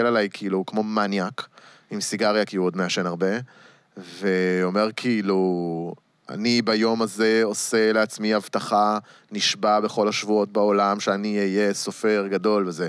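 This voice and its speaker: A man speaks at a moderate pace with a fairly low pitch. His intonation is monotone and flat. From Israel, Tel Aviv. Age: 40s. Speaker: writer and playwright. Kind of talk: casual chat.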